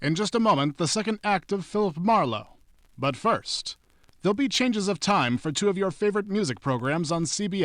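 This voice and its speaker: A man with a fairly high voice announces in 1940s radio style. His delivery is formal, polished and scripted. The sound is very dry, without room echo. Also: fairly bright tone.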